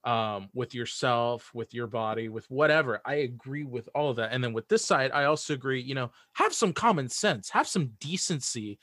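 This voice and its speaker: A man's voice: mid-range voice, moderate pace, hardly any pauses, fairly bright tone, dry recording, studio quality. A man speaking as a podcast guest, casually and earnestly giving opinions and repeating phrases for emphasis.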